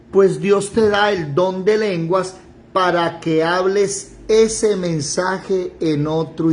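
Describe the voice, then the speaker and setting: Man, middle-aged, high voice, lively Bible class, faint room noise. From Colombia. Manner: animated, rhetorical questions, mock dialogues. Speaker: Bible teacher.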